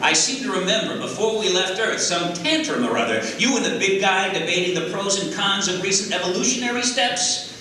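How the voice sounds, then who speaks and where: An actor playing an eager, wisecracking little robot scout with an upbeat, teasing manner in a live script reading. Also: male voice, sits high, lively intonation, a little fast, a crowd in the background. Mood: scolding. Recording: echoey hall from far off, noisy.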